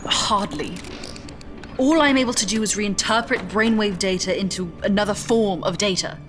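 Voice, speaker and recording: An actress playing a proud, skeptical scientist in a science fiction audio drama, dry and exasperated in manner. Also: female voice, medium pitch, normal speed, music in the background, close to an everyday voice. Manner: dry, exasperated, matter-of-fact.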